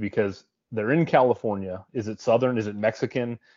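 A man speaks at a moderate pace in an unremarkable speaking voice of medium pitch. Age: 30s. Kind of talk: casual chat.

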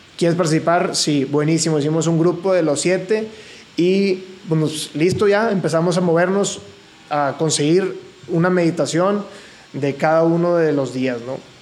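A man's high-pitched voice with fairly even intonation, noticeable background noise and audible room echo. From Monterrey, northern Mexico. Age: 20s. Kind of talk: casual interview testimony.

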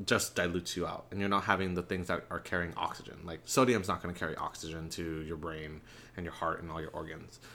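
A man with a very deep, low pitch speaks at a very fast pace in a bright, sharp tone. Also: fairly even intonation. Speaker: physician podcast co-host. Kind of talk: casual chat.

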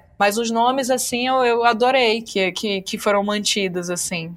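Her pitch sits in the medium range. This woman talks at a moderate pace. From Bahia, Brazil (Salvador). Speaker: journalist and scriptwriter. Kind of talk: book club discussion.

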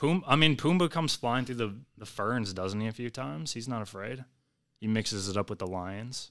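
An ordinary speaking voice with an American accent, a moderate pace and lively intonation, on a very clean recording with a silent background. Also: man, medium pitch for a man. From Wisconsin, West Bend. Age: 20s. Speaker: athletic trainer. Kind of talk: casual chat.

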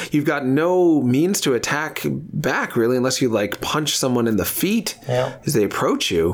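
With an unremarkable speaking voice at a medium pitch, this man talks at a moderate pace with lively intonation, very even loudness and hardly any pauses. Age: 40s. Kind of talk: casual chat. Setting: voice call.

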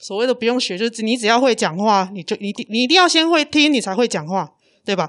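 Speech comes at a very fast pace in a Taiwanese accent. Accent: Taiwanese Mandarin. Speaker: podcaster. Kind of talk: live talk to an audience. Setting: stage with audience in an open meeting room. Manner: earnest, sincere-sounding.

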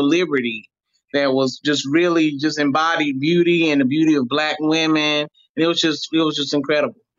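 A woman with an American accent, very deep, low pitch and a fairly quick pace. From North Carolina, Winston-Salem. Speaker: poet. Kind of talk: poetry performance and chat.

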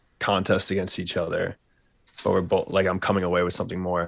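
Against a quiet background, a man with an American accent speaks in a very deep, low pitch. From Long Island, New York. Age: young. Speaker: professional wrestler. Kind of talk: casual chat.

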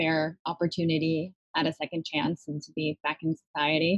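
In a dry, close sound with no echo, a woman with an American accent uses a normal speaking voice at fairly low pitch and a moderate pace. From Alabama, US South. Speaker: volunteer activist. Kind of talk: interview.

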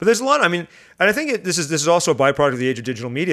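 A man with a Canadian accent in a very clean recording with a silent background. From Canada. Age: 30s. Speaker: podcast guest. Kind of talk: casual chat.

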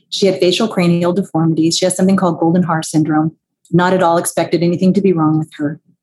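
At a very fast pace, a woman speaks in a fairly low, somewhat breathy voice with a dark, mellow tone. Her intonation is monotone and flat, and her loudness very even. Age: 60s. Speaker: author. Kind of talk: casual chat.

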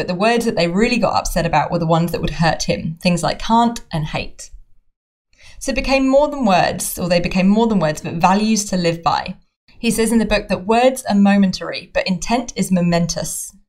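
The speaker talks at a fairly quick pace with a southern English accent. The pitch varies in an ordinary way. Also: woman, medium pitch for a woman. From southern England. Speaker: podcast host. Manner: conversational, thinks aloud.

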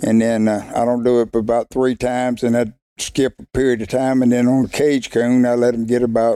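A man with a Southern US accent, medium in pitch, dark and mellow in tone, with monotone, flat intonation. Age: 60s. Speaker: coon hunter. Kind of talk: casual chat.

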